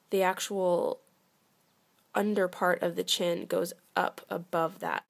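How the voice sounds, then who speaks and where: A woman's voice: fairly low pitch, vocal fry. A woman with a slightly stuffy voice from a cold, patiently explaining how to draw step by step. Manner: patient, gently encouraging. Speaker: drawing tutorial host. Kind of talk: step-by-step drawing instruction.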